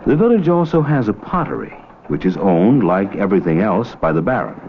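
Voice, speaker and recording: A man with a lowish, sing-song voice reads scripted educational documentary narration at a brisk pace. It comes from an old 16mm film soundtrack that sounds muffled and faintly noisy.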